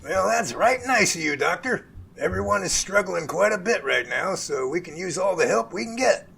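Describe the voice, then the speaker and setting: A man's voice: sits high, lively intonation, moderate pace, creaky, fairly bright tone, a little hiss or hum, heavily acted. A man playing a weary, folksy professor who runs a Bigfoot lab, in an amateur audio drama with an easygoing delivery. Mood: curious, friendly.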